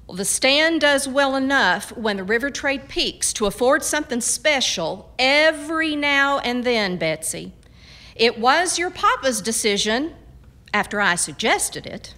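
Actress as no-nonsense pioneer mom, folksy n scolding, sharp voice, radio drama. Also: female voice, high voice, lively intonation, a little slow, heavily acted. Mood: brisk, motherly. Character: firm, practical frontier mother and wife.

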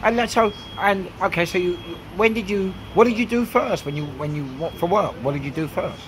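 A man interviewing a cafe owner on a handheld phone, excitable, laughing often and tripping over his questions. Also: high voice, fairly quick, background noise. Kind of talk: casual street interview. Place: small cafe, indoors.

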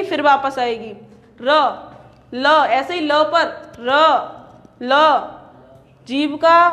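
A woman's voice: high-pitched, a bit bright. A woman teaching a lecture, sounding out each syllable again and again and asking her students questions before she answers them herself. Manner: repeats sounds and asks the class questions. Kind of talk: classroom lecture.

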